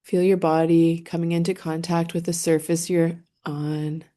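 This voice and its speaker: A woman with a fairly low, level voice guides a meditation in a slow, mellow way. She narrates gently and soothingly, leaving long pauses between phrases.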